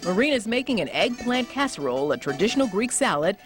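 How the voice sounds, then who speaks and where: A woman's voice: medium pitch, sing-song, fast talker. A woman host delivering scripted narration for a TV show in a polished, upbeat way. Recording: music bed under the voice.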